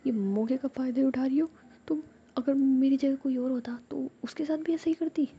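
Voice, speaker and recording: A woman voicing a timid, easily scared young woman who pleads in a shrill, fussy way. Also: moderate pace, slightly rough, muffled recording. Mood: huffy.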